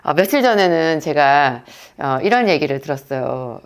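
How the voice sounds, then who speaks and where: A woman's voice: low voice, big pitch swings, moderate pace. A woman, a pharmacist and pastor's wife, gives an earnest prayer lecture and tells stories with quoted dialogue.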